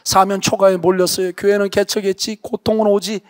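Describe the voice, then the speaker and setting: High-voiced pastor, earnest revival sermon. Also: male voice, level tone, brisk, smooth, dry recording, studio quality. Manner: earnest, emphatic storytelling, drops to a hush for stress. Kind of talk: revival sermon with personal testimony. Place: church revival meeting.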